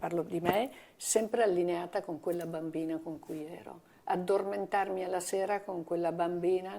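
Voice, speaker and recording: At a moderate pace, a woman speaks with a fairly low pitch and fairly even intonation. Her loudness swings widely. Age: 60s. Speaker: entrepreneur and cultural manager. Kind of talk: interview. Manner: halting, repeats words.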